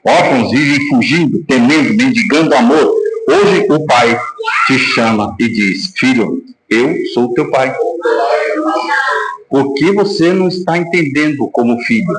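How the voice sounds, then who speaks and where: A man's voice: mid-range voice, expressive, moderate pace, noisy background. Emphatic male pastor in an echoey hall. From Brazil. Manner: emphatic preaching, rhetorical questions, sudden shouts. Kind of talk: sermon. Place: church hall.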